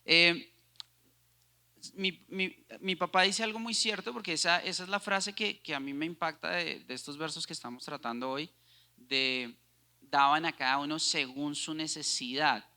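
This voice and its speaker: A man's voice: a little high, normal speed, pushed and bright. A young man with a Colombian Spanish accent, teaching a Bible study and drawing in the audience with questions. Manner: engaging, asks the audience questions.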